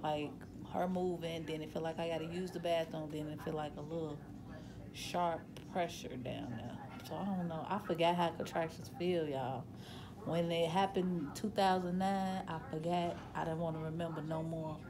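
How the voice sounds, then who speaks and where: A woman speaks in a fairly low pitch with fairly even intonation. Her pace is moderate, and there is noticeable background noise. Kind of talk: casual vlog chat. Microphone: phone near.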